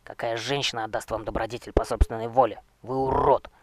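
A zealous young knight hurls accusations at full volume, as a man performs him. His gravelly voice sits at an ordinary male pitch but rings loud and strained. It is an audiobook performance of a hot-headed, righteous youth. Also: fairly even intonation, a little fast, background noise, lightly acted. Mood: furious. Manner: shouting accusations. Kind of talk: audiobook character voice.

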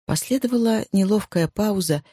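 A woman narrating a novel calmly and evenly as an audiobook reader. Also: medium pitch, normal speed, breathy edge, no room sound, studio quality. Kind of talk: scripted narration.

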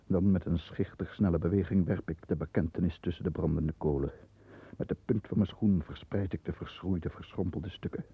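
Tense lawyer-narrator for vintage radio drama, extremely raspy and creaky, dramatic and halting, muffled old recording. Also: male voice, rumbling low, full character voice. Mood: hard, agitated. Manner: dramatic, deliberate, halting under strain. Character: London lawyer, tense, calculating, guilt-ridden brother narrating. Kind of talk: 1960s Dutch radio drama monologue, present-tense narration. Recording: dull lo-fi 1960s radio recording.

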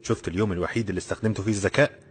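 A man's voice: lowish voice, fairly even intonation, very fast, faint music behind, natural voice. A man voicing a strong, bold young laborer who talks with confident teasing and an Egyptian accent. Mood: joking.

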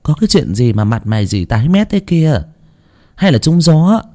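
A breathless younger village woman with a high, panicked voice, put on by a male narrator. She gasps between sobs and her words stumble over each other. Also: very animated, normal speed, dark tone. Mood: fussing.

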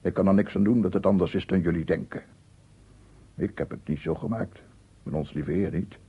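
A husky, embittered eccentric inventor. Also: male voice, low voice, full character voice. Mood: bitter, aggrieved. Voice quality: husky, gravelly, often dropping to breathy murmur. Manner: muttering to himself, halting, swinging into declamation. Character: embittered, obsessive eccentric male amateur inventor, self-pitying and grandiose. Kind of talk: radio drama monologue. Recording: muffled phone-like old radio recording.

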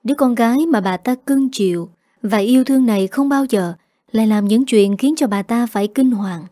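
A woman narrating a family drama story in a steady, even reading. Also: a little high, moderate pace, dry recording, studio quality.

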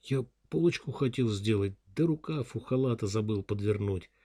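A man reading aloud, voicing a meek, sheepish injured husband who pleads quietly. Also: lowish voice, lively intonation, moderate pace, voice pushed up. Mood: pleading.

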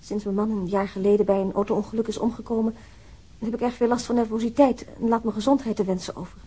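A woman playing a nervous, fragile widowed mother in a radio drama, giving a formal, earnest account in a dark, husky voice. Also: medium pitch, fairly even intonation, fast, lightly acted. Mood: troubled, formal. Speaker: actor. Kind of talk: radio drama, reading a letter.

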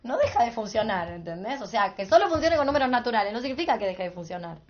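A woman's voice: sing-song, fast. A woman with a Rioplatense accent teaching an informal philosophy workshop, emphatic and full of rhetorical questions. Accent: Rioplatense Spanish. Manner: emphatic, rhetorical, asks "entendés?" often. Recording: muffled low-fidelity recording.

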